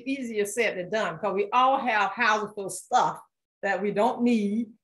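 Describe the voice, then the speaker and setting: Here a Philadelphia art collector speaks casually at an author talk in a mid-range voice, with a roomy sound around her. She's chatty, laughs a lot, and keeps using fillers and restarting sentences.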